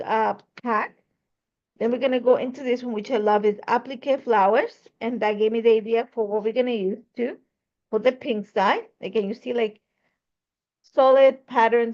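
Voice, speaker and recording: A woman from Ecuador talks her way through a scrapbooking layout in a loose, rambling tutorial style, often catching and correcting herself. Her voice sits a little high with a gravelly fry. The audio is dull and lo-fi. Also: darkish tone. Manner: chatty, rambling, corrects herself mid-sentence. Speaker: scrapbooking crafter demonstrating a layout. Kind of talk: casual craft tutorial talk.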